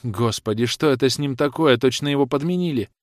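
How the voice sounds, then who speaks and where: A man's voice: mid-range voice, brisk, no echo, clean studio sound, pitched above the performer's own voice, lightly acted. A man voicing a young kept woman who defends herself and pleads with her lover. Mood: pleading. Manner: defensive, then pleading and tearful. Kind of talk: audiobook character reading.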